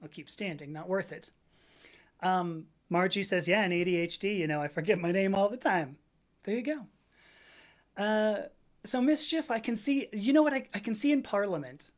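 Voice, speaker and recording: A woman in her fifties talks casually on a livestream, rambling from one thought to the next and laughing along the way. She has a mid-pitched voice and sounds chatty and relaxed as she responds to viewers. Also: normal speed. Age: 50s. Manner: rambling, chatty, laughs often, reads out chat comments. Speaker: livestream host.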